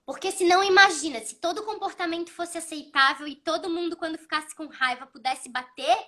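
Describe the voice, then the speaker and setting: A woman in her thirties, hosting a child psychology talk, explaining calmly and telling stories about her son with acted-out dialogue. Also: very high-pitched, a little fast. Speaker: child psychology channel host. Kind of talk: casual advice talk.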